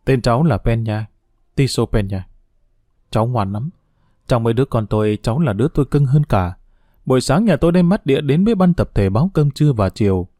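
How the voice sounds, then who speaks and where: A man reading an audiobook as narrator in a steady, somber manner, close to the mic. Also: mid-range voice, fairly quick, no echo.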